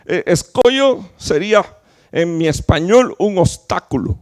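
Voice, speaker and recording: A man preaching a sermon to his church, emphatic, with rhetorical questions and sudden loud peaks followed by low, quiet drops. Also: animated, a little slow. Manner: fillers and restarts while explaining. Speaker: pastor.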